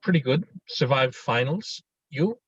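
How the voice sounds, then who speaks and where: Husky, a bit bright and mid-range, this man's voice is animated but a little slow, with no echo. He's playing a sensitive, earnest, mock-menacing young Swede in a script table read, friendly and chatty yet hesitant and fumbling for words, all through dull, lo-fi video-call audio.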